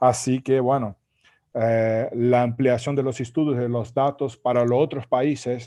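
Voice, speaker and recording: A man at a medium pitch with a Brazilian accent, a dark, mellow tone and monotone, flat intonation, against a quiet background. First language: Portuguese (speaking Spanish). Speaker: academic researcher. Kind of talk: conference Q&A answer. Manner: halting, many fillers and restarts.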